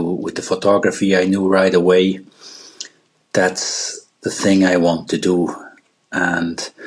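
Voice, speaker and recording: A deep-voiced middle-aged man with a Swiss accent speaks in an unhurried, measured way. He talks as a podcast guest, halting and restarting as he gathers his thoughts. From Switzerland. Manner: halting, with frequent pauses and restarts. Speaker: guest wildlife photographer. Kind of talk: podcast interview, reflective storytelling.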